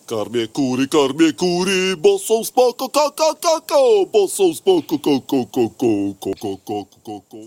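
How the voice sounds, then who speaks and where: A man's voice: high voice, normal speed, hardly any pauses, a little mellow, dry recording. An actor voicing a goofy male insect who chants words over and over in sing-song loops. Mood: chanting. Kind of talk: cartoon voice acting.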